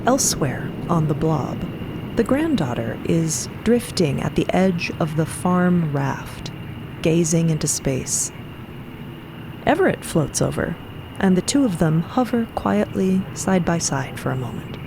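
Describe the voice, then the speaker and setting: Woman narrator, lowish voice, scripted story stuff, background ambience going. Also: animated, unhurried, noisy background. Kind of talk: scripted audio drama narration.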